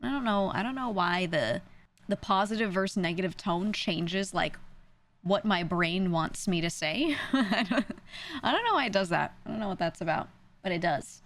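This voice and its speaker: A young woman with a New York accent chats casually on a stream, answering viewers in a rambling, self-deprecating way and laughing often. Her mid-range voice is expressive and fairly bright, moving at a normal speed.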